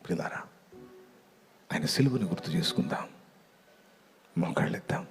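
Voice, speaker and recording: A man preaching a sermon and leading prayer in an impassioned, pleading way, moving between loud cries and hushed tones. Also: low-pitched, animated, moderate pace. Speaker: pastor. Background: music.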